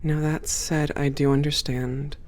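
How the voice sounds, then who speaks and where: A performer playing a friendly, composed female hangar supervisor in an ASMR roleplay, speaking in a measured, welcoming and professional way. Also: mid-range voice, flat delivery, darkish tone, natural voice. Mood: reassuring, instructive. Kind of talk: ASMR roleplay, one-sided conversation.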